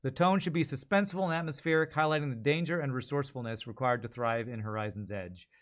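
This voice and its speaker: A man's voice: mid-range voice, quick pace. Casual man chatting on a livestream. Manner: informal, thinking aloud. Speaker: livestream host. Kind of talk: casual chat to stream viewers.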